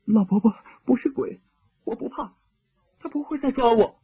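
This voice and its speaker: A man voicing a timid, tender-hearted little girl who speaks softly and hesitantly. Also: very high voice, animated, a little slow, no room sound, dull audio, pitched above the performer's own voice, exaggerated voice. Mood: frightened.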